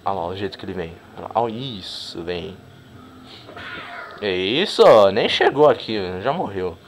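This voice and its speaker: A man giving casual, crude, joking commentary over a game he plays, breaking into excited shouts. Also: sits low, normal speed, a little hiss or hum. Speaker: gameplay commentator.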